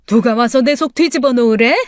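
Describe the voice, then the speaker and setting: A woman's voice: on the high side, fairly quick, no echo, studio quality, close to an everyday voice. A woman voicing a bitter, self-pitying middle-aged mother who scolds shrilly and snaps back sharply. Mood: indignant.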